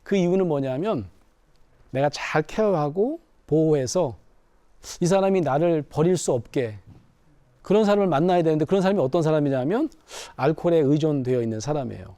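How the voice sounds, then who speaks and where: A middle-aged man, a counseling professor, explaining ideas in an animated storytelling manner. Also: on the high side, fairly quick, no echo. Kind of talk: explanatory talk to camera.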